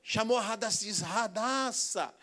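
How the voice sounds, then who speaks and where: A Brazilian man with a notably high voice preaches a sermon. He tells his story lively, acting out the voices of others and laughing along the way. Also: normal speed. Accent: Brazilian Portuguese.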